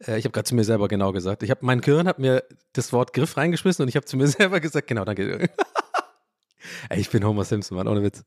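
A man hosting a podcast, talking in a rambling, animated way, often interrupting himself and laughing. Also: medium pitch, fast, no echo, clean studio sound. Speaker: podcast host. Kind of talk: casual podcast monologue.

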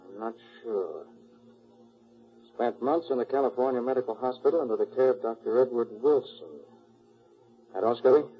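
An actor playing a composed master detective in charge, brisk and authoritative in 1940s radio style. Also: male voice, mid-range voice, breathy edge, faint music behind, natural voice. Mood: pensive, focused. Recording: muffled old 1940s radio recording.

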